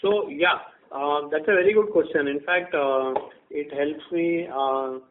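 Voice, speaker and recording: Over a thin, narrow-band phone conference line with a little hiss or hum, an Indian-accented bank executive responds to questions. His fairly high voice falters as he explains semi-formally, hesitating and repeating words.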